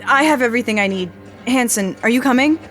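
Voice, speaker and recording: A frantic woman who takes charge, her voice fairly high. She is urgent and commanding, in audio drama style, with music behind her. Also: animated, fast talker, a bit bright.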